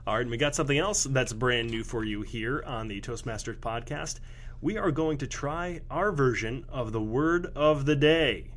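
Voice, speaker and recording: A man's voice: mid-range voice, moderate pace, fairly bright tone, slight background noise. A man hosting a podcast in casual chat, joking and teasing his guest and laughing often. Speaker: podcast host.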